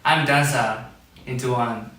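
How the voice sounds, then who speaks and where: Hesitant young Japanese man, bright voice. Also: mid-range voice, steady tone. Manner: halting, hesitant English with fillers and laughs. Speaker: dancer and choreographer. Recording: echoey room, mic at a distance.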